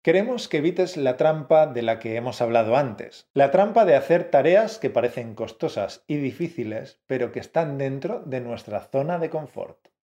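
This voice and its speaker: A man's voice: mid-range voice, lively intonation, normal speed, hardly any pauses, warm tone. A man co-hosting a language-learning podcast, explaining in a friendly, encouraging way. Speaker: co-host of a Spanish-learning podcast. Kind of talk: scripted podcast teaching.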